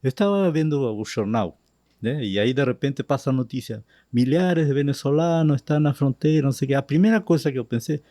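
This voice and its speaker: A man with an Argentine accent tells his story in an interview, his Spanish showing through his Portuguese. His voice is mellow and soft-edged, recorded close and dry with no room around it. He speaks slowly, with lively lifts on the lines he quotes. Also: mid-range voice, no echo. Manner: slow, animated retelling with Spanish words slipping in. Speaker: missionary guest.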